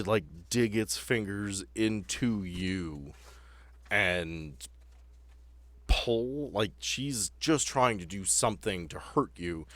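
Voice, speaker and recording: Deep-voiced man running a tabletop game. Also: fairly bright tone, no echo. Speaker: game master of a tabletop RPG podcast. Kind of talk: improvised game narration and rules talk.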